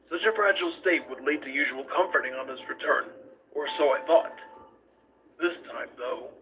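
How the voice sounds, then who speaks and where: A man's voice: medium pitch, moderate pace, pushed and bright, a little hiss or hum, close to an everyday voice, low-quality recording. A man voicing a weary, detached skeleton scientist who narrates a formal journal in a comic dub. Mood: detached, reflective. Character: cold, clinical male skeleton scientist captor, weary, detached.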